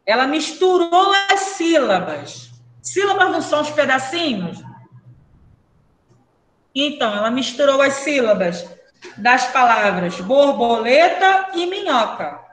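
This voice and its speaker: Brisk high-voiced Brazilian teacher, echoey room. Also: female voice, big pitch swings. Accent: Brazilian Portuguese. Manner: brisk, questioning, calls pupils by name. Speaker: primary school teacher. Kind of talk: online class with pupils. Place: classroom.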